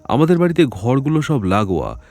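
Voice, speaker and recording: A man's voice: mid-range voice, wildly swooping pitch, a little fast, darkish tone. An actor voices an anxious jeweller in an audio drama who falters and restarts while telling his fears. His voice rises and falls a great deal, and faint music plays beneath him. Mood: explaining. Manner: hesitant, worried, explaining at length. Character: anxious middle-aged male jeweller fearing murder. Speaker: client. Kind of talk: Bengali audio drama acting.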